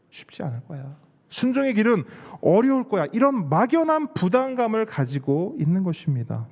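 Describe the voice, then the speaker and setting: A male pastor delivers a sermon in a fairly high, very animated voice. He poses questions to the congregation and drives key words home by repeating them. His voice rings through a large hall with long reverb. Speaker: pastor preaching at a church service.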